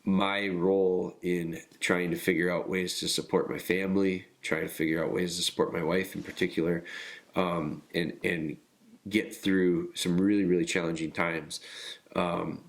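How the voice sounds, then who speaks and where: A man hosting a podcast with a nasal, congested voice, talking casually and haltingly with frequent pauses and restarts. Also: low voice, little pitch movement. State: congested from illness. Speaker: podcast host.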